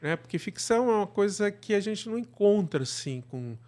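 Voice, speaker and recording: A middle-aged Brazilian man talks as a guest in a casual interview. His voice sits a little high for a man. He explains things discursively, often checking in with short tag questions. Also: lively intonation, brisk, darkish tone. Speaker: interview guest, actor and podcast producer. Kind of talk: casual conversational storytelling.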